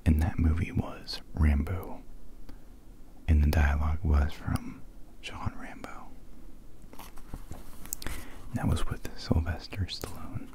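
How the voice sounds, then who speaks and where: Whispering man with a very deep voice. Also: flat delivery, takes it slowly, pauses often. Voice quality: soft whisper. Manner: hushed, rambling, with fillers. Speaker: ASMR video host. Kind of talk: whispered ASMR movie quote game.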